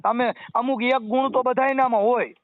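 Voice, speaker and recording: A man with a Gujarati accent lecturing forcefully in a heated phone argument, repeating phrases and quoting folk sayings. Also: extremely high pitch, steady tone, normal speed, no echo. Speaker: social activist on a phone call. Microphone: telephone line. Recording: tinny, narrow-band phone call recording.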